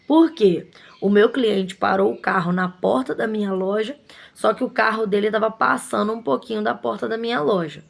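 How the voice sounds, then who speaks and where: Indignant woman with gravelly voice. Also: mid-range voice, normal speed. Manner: indignant, animated retelling with quoted voices. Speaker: shop owner. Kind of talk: casual storytelling to viewers.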